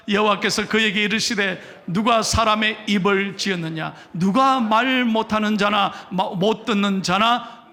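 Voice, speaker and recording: A man preaching a sermon as pastor from a church pulpit, animated and acting out scripture dialogue. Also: sits high.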